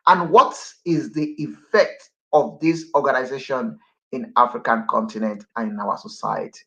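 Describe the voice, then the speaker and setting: A man's voice: mid-range voice, moderate pace, a bit bright, muffled recording. A man hosting an online radio interview show, talkative and prone to repeating himself. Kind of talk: broadcast interview.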